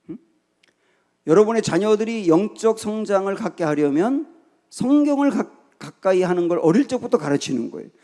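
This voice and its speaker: Korean pastor preaching in a reverberant church. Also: male voice, high-pitched, dark tone. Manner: storytelling, acting out quoted lines with raised voice. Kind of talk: sermon. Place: church sanctuary. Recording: long church hall reverb.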